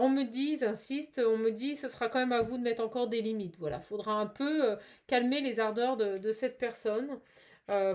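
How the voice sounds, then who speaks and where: A woman's voice: on the high side, darkish tone. A woman giving a spiritual card reading in a casual, chatty way, with frequent hesitations and restarts. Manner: hesitant, many fillers and restarts; chatty and encouraging.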